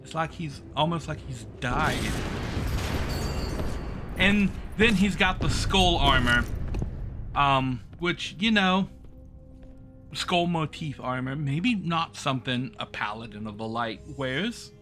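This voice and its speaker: A man's voice: fairly high pitch, animated, slow, long pauses. A man casually commentating on game cutscenes and explaining the lore as host. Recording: faint game music behind speech.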